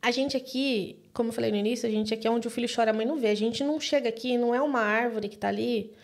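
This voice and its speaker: Animated Brazilian woman telling a story. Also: fairly high pitch, rapid-fire, vocal fry. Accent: Brazilian Portuguese. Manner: animated, acts out quoted voices. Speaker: podcast guest. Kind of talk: casual storytelling interview.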